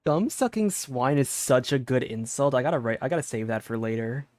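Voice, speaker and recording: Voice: mid-range voice, lively intonation, fairly quick, darkish tone, dry recording, clean studio sound. A game streamer giving casual live commentary while playing.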